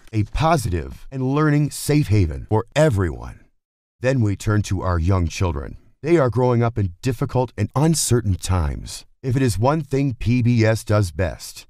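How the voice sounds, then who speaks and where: A man with a slightly low voice reads a scripted promotional piece. His pitch moves in lively swings as he stresses phrases deliberately. The recording is dry and close, with little room sound. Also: dry recording. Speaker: voice actor and radio personality.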